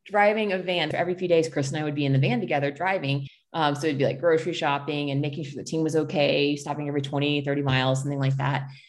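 A woman with an American accent talks very fast with hardly any pauses, in a very deep, low pitch. Her intonation is fairly even, and there is audible room echo. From Chattanooga, Tennessee, US South. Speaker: YouTube travel creator. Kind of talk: casual interview chat.

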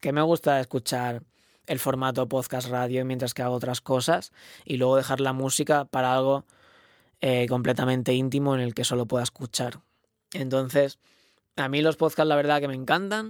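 A man's medium-pitched voice at a moderate pace, fairly even in intonation, with a dry, close sound and no echo. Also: very clean recording, silent background. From Ibiza. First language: Catalan (Ibicenco dialect) (speaking Spanish). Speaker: podcaster and musician. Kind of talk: solo casual monologue. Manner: halting, many filler sounds.

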